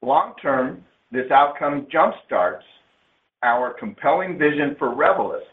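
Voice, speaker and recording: Male corporate presenter, measured and formal scripted read, phone-band audio with noticeable room echo. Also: mid-range voice. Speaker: company executive on an investor earnings call. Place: conference call line. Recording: narrow phone-line sound, roomy echo.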